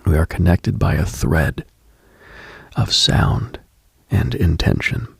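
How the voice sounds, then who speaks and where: A man hosting a late-night radio show in an intimate, contemplative monologue, hushed and unhurried, with a husky, gravelly, breathy voice. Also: lowish voice, no room sound. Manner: hushed, unhurried, contemplative, addresses listener directly.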